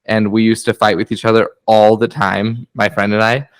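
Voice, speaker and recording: A man's voice: on the low side, little pitch movement, normal speed, dry recording. A young man, a guest husband, telling stories in a casual podcast chat and laughing often. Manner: chatty storyteller, laughs often.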